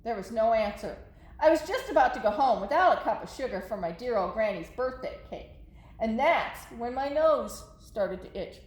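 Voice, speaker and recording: A woman's voice: on the high side, expressive, moderate pace, reverberant, natural voice, rough recording. A woman voicing a storybook wolf who chattily protests his innocence as he tells his side. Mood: dramatic, innocent. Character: self-justifying folksy wolf telling his side.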